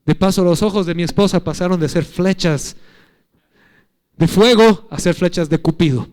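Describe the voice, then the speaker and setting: A pastor in his thirties preaches with a somewhat high-pitched voice, earnest and personal. He swings between emphatic, raised phrases and soft, near-hushed ones. He tells stories in a conversational way and asks his listeners questions directly. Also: moderate pace, clear, resonant tone. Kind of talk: sermon.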